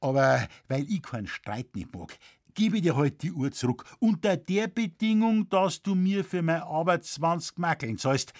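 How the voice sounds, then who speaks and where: A man's voice: fairly high pitch, expressive, moderate pace, pitched above the performer's own voice. Man playing a hearty Bavarian blacksmith. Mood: sly jovial. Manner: hearty, broad dialect. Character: hearty Bavarian village blacksmith, sly and jovial.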